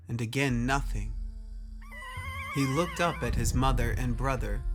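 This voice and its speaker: A man reading a dramatic scripted story as narrator, in a measured, solemn manner. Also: mid-range voice. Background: music under the voice.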